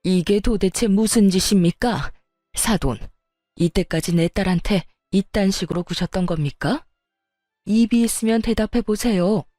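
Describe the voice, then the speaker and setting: A woman's voice: medium pitch, normal speed, warm tone, no room sound, clean studio sound, soft background music, lightly acted. A woman voicing a furious, protective middle-aged mother who confronts her daughter's mother-in-law, in a narrated story. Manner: stern, confrontational. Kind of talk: storytelling narration with acted dialogue.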